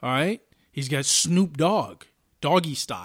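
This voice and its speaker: In an ordinary speaking voice, a man talks at a fairly slow pace with a fairly high pitch and lively intonation, the sound dry and close with no echo. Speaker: podcast host. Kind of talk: casual chat. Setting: studio.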